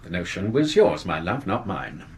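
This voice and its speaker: An actor playing a curt, sarcastic husband with an English accent, clipped and sardonic, in a 1980s radio drama. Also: male voice, sits low, very animated, moderate pace. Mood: irritated.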